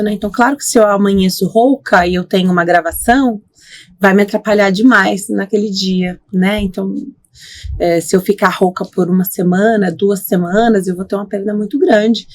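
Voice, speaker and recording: A middle-aged woman host guiding an interview in a relaxed, conversational way. Her voice sits at a mid pitch. She builds up each question with a long lead-in before she asks it. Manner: conversational, asks questions after framing them at length. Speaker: podcast host, journalist. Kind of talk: interview hosting.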